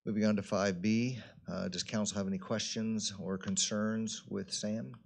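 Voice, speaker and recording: A man's voice: on the low side, steady tone, normal speed, creaky. A man serving as mayor, running a meeting with short procedural prompts.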